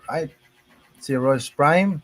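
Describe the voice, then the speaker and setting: A Filipino-accented pastor preaches a livestream sermon and takes viewer questions, his fairly high, fairly bright voice moving slowly. He switches between Tagalog and English, laughs often, and calls his listeners brothers and sisters.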